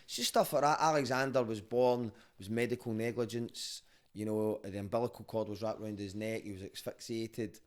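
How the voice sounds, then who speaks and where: A man's voice: on the low side, steady tone, fairly quick. A man with a Glaswegian street Scottish accent, chatting casually and telling stories in a candid, sweary, conversational way. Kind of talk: casual podcast chat and storytelling.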